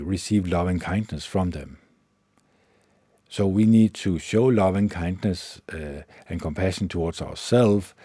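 A Danish-accented man hosting a solo meditation podcast, talking haltingly with many fillers and restarts. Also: low-pitched, warm tone, no room sound. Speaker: podcast host.

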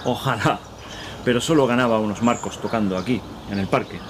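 A man's voice: on the low side, a little fast, noisy background, lightly acted. A man playing a courteous, chatty park worker. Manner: chatty, courteous, searching for words. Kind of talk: radio drama acting. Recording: outdoor park ambience with birds. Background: birds and outdoor ambience.

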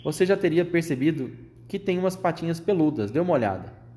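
A clever young boy turned into a mouse, talking calmly and persuasively in a slightly raised voice, as a man reading a storybook puts him on. He reasons patiently and urges his friend on. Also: fairly high pitch, fast talker, pitched above the performer's own voice, close to an everyday voice. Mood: reasoning.

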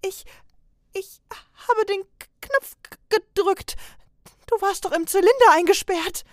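Woman doing nervous young male elf, stammering, high anxious voice, loud, dry close sound, storybook. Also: big pitch swings, a little slow, no echo. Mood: shaken, stammering. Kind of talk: storybook reading.

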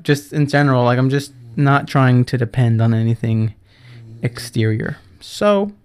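Young man rambling casually, swearing freely. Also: medium pitch. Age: 20s. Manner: rambling, profane, self-correcting, laughs often. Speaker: podcast host. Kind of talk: casual solo podcast monologue.

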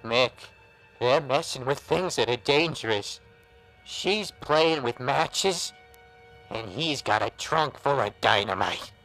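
An actor playing a monstrous transformed old pal in a noir horror audio drama, taunting and warning in drawn-out, insinuating gangster slang. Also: male voice, mid-range voice, animated, fairly bright tone, soft background music, rough recording. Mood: taunting, ominous.

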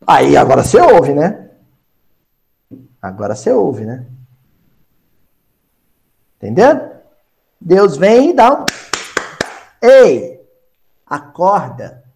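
A man with a Brazilian accent teaching a Spiritist gospel study, animated, acting out small scenes and repeating phrases for emphasis. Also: on the high side, takes it slowly, gravelly, pauses often. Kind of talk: spoken gospel study lesson.

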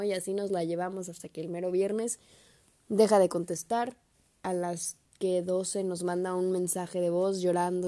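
Slangy young Mexican woman telling stories. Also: lowish voice. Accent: Mexican Spanish. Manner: slangy, animated, swears freely, acts out quotes. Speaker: podcast host. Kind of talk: casual storytelling monologue.

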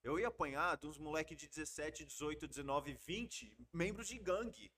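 A man from Brazil telling stories from his youth in a casual podcast chat, slangy and animated. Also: on the high side, normal speed. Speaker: podcast guest.

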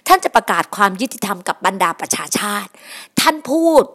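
A woman's voice: mid-range voice, very animated, a little fast, fairly bright tone. A woman preaching a sermon on her podcast, emphatic and repetitive, often addressing her listeners as brothers and sisters.

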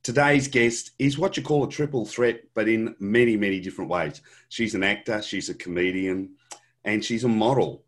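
A man hosting a podcast, chatting relaxed with a guest over a video call, often repeating words. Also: fairly low pitch, moderate pace. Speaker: podcast host. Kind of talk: casual interview chat.

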